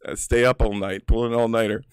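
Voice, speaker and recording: A man's voice: lowish voice, flat delivery, brisk, clear, resonant tone, dry recording, clean studio sound. A man casually telling personal stories in a rambling, profane way, full of filler words. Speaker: storyteller.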